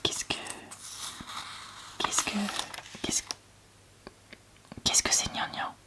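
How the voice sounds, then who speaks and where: Woman whispering, bright and breathy library whisper. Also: drawn-out words. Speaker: book reviewer, host of a reading channel. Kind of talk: whispered ASMR book review, casual chat.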